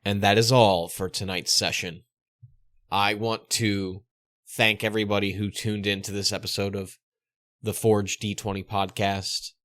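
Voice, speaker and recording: A man's voice: fairly low pitch, level tone, a little slow, fairly bright tone, no room sound, clean studio sound. A man running a tabletop game as game master and podcast host, laughing often and swearing casually.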